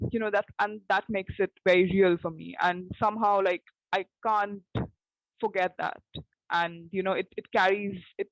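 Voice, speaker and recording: A woman's voice: mid-range voice, dry recording, low-quality recording. A young woman playwright speaking in a roundtable discussion, piecing her thoughts together hesitantly with repetition.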